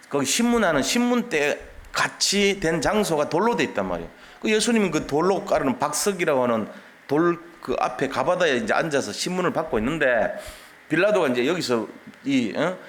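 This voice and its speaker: A man's voice: on the high side, big pitch swings, normal speed. A man pastor preaching a sermon in a church, explaining a Bible passage in a colloquial way and acting out the quoted lines.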